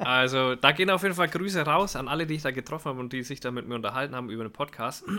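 Over noticeable background noise, a man with a fairly high pitch and an animated tone races along at a very fast pace with hardly any pauses and ordinary pitch variation. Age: 30s. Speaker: podcast co-host, hunter. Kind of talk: casual chat.

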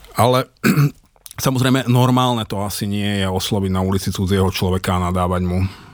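In an ordinary speaking voice, a man speaks at a fairly low pitch with fairly even intonation. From Slovakia, Košice. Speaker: political commentator and writer. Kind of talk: interview.

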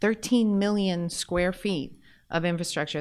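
At a moderate pace, a woman with a normal speaking voice talks at a fairly low pitch with fairly even intonation on a very clean recording with a silent background. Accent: American. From Massachusetts (South Shore of Boston, then Central Massachusetts). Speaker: school board member. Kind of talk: interview.

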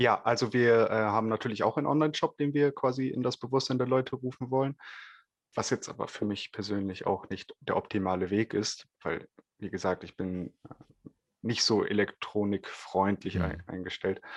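Delivered in a plain, everyday voice at a moderate pace with ordinary pitch variation, the speech sounds dry and close with no echo. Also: man, medium pitch for a man. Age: 20s. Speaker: trainee bookseller. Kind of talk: casual interview.

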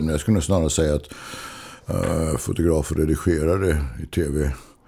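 A man with an English accent speaks at a fairly quick pace, his dark, mellow tone somewhat breathy. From Stockholm, Sweden. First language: English (speaking Swedish). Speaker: retired musician. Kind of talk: casual chat.

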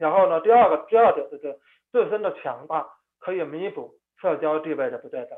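A man speaks at a moderate pace, his loudness swinging widely. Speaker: designer. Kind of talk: presentation. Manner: hesitant, many fillers.

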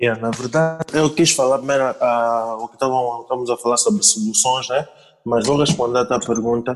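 A man with a normal speaking voice, medium pitch, moderate pace, very even loudness and fairly even intonation. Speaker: youth panelist. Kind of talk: panel discussion.

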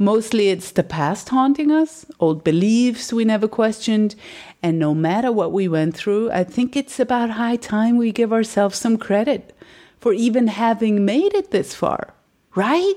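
A woman with a Swiss German accent speaks at a moderate pace in a dark, mellow tone and a fairly high pitch. Her intonation is lively and her loudness very even. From Switzerland. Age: 40s. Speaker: podcast host, former radio host. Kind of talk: personal monologue.

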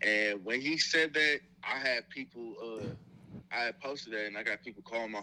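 A man speaks at a medium pitch with a bright, sharp tone and ordinary pitch variation. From Houston, Texas. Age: 20s. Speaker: rap historian and archivist. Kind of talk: casual chat.

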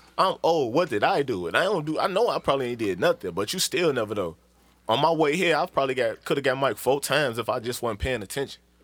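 A man talks very fast in a fairly high pitch, with very wide pitch swings and vocal fry. The recording is very clean, with a silent background. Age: 20s. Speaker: podcast guest. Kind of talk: casual chat. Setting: studio.

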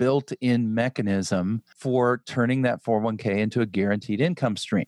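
A man's normal speaking voice at medium pitch and moderate pace, with a dry, close sound with no echo on a very clean recording with a silent background. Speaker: financial advisor and radio host. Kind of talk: radio talk show discussion on retirement. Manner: warm, upbeat, explanatory.

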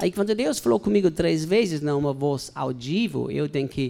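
A man with a German accent speaks at a fairly high pitch, his voice making very wide pitch swings. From Austria. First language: German (speaking Portuguese). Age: 50s. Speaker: preacher. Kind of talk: testimony. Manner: halting.

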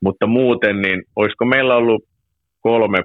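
A man at a moderate pace. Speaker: ice hockey coach. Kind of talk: interview. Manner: repetitive, halting phrasing.

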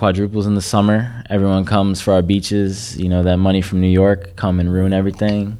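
Audible room echo surrounds a man speaking at a fairly low pitch in a monotone with flat intonation. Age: young. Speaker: author. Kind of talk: onstage conversation. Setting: stage with audience.

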